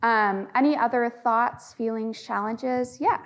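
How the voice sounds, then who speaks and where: A woman leading a conference session, explaining prevention concepts in a friendly, measured way with frequent ums, speaking into a microphone in a conference room. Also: on the high side. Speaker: workshop facilitator.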